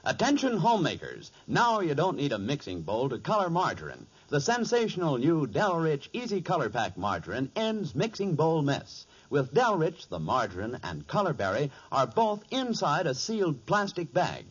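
A male announcer from old-time radio with a slightly high, animated voice. He delivers sponsor copy in a polished, emphatic way, on a dull vintage recording with some music. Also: moderate pace, hardly any pauses, slightly rough. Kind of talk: 1940s scripted radio announcing and sponsor pitch.

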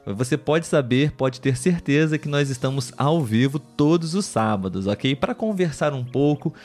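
A Brazilian man hosting a live podcast chat for learners of Portuguese, speaking clearly and in a measured way and often checking in with his co-host. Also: on the high side, expressive, darkish tone, faint music behind.

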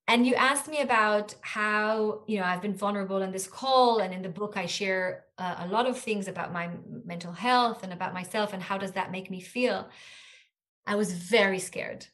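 A woman's voice: mid-range voice, moderate pace, fairly bright tone. Earnest woman, native Hebrew speaker. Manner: earnest, reflective, with many restarts and fillers. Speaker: guest author. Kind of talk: podcast interview conversation.

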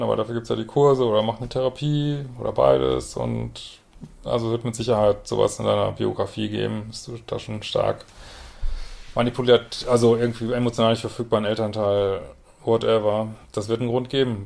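A man's voice: medium pitch, creaky, darkish tone. A man hosting a podcast as a couples therapist, commenting bluntly and directly on a listener's letter and often ending with a questioning "ne?".

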